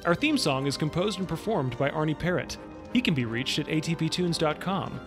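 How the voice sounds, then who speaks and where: A man's voice: a little high, expressive, brisk, over music. A man announcer reading scripted closing credits for an audio drama.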